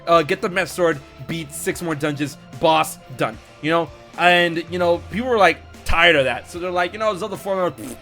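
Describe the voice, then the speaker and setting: A man hosting a casual gaming chat, excitable and talking fast when heated, stumbling and repeating words as he goes. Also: a little high, faint music behind. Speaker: podcast host.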